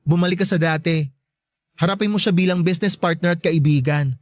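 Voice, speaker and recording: An actor playing a sassy, campy gay best friend in a Tagalog radio drama, teasing and bluntly caring, drawing out emphatic words. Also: male voice, fairly high pitch, a little fast, no room sound, lightly acted. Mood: blunt, encouraging.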